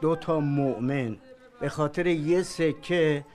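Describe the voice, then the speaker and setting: A man playing a calm white-bearded peacemaker. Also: fairly high pitch, lightly acted. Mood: mediating. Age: older. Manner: measured, soothing, pious phrasing.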